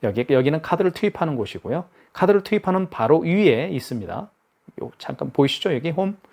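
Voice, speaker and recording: A man's voice: fairly high pitch, lively intonation, a little fast, creaky, darkish tone. A man giving a hands-on product tutorial, explaining each step patiently and repeating himself for clarity. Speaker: product demonstrator.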